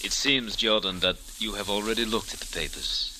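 A man's voice: on the low side, fairly quick, sharp tone, slight background noise, low-quality recording. An actor playing a ruthless, commanding male villain with a menacing, formal manner, in a 1940s radio drama. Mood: gloating.

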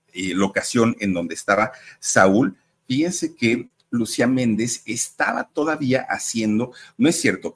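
This entertainment gossip host is a man with a Mexican accent and a fairly low, somewhat bright voice. He chats his way through celebrity stories, speaking straight to viewers and using fillers.

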